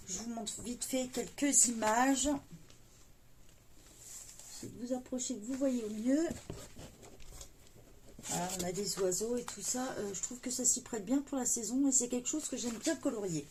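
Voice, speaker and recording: Here a coloring book haul vlogger opens her parcel of coloring books, chatting casually and dropping fillers and delighted little exclamations. Her fairly high voice is a little mellow, heard over slight background noise.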